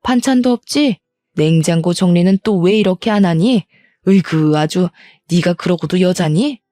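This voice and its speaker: Woman doing a contemptuous older mother-in-law, nagging scolder, lowered mellow voice. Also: normal speed, no room sound, studio quality, natural voice. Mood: scolding.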